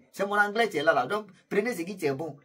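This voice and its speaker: A man's voice: on the high side, fairly bright tone, breathy edge. A man casually telling a story to his viewers, chatty and rambling, laughing at his own jokes and speaking to the audience directly. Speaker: YouTube storyteller.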